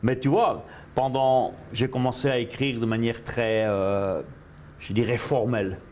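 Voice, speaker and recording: Male guest coach, animated storyteller, repeats himself, drops English phrases. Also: mid-range voice, measured pace, slight background noise. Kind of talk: storytelling interview.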